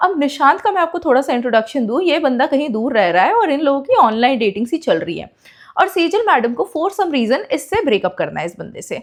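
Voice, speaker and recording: A woman with a high voice races along at a fairly quick pace with hardly any pauses, her pitch swinging very widely. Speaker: YouTuber storyteller. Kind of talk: storytime narration. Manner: casual, code-switching Hindi-English.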